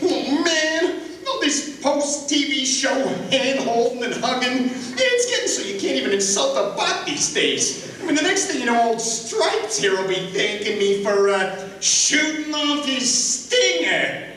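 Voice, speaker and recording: Sarcastic cartoon rat robot, high and very animated, slangy streetwise grumbler. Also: male voice, measured pace, full character voice. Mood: sarcastic griping. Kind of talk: live dramatic script reading, cartoon character acting. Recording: very echoey hall, distant mic, noisy.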